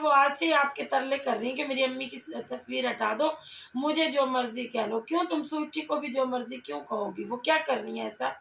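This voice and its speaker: Woman, creaky voice, taunting confrontational commentary, rhetorical questions, faint noise in the background. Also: sits high, fairly bright tone, echoey room. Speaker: reaction vlogger.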